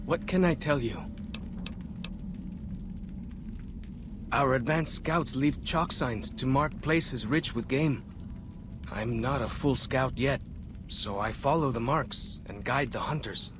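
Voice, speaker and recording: A man playing a young, earnest tribal scout and guide in a video game, plain-spoken with simple, slightly halting phrasing. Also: mid-range voice, background noise, lightly acted. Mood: frank, chatty. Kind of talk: video game cutscene dialogue.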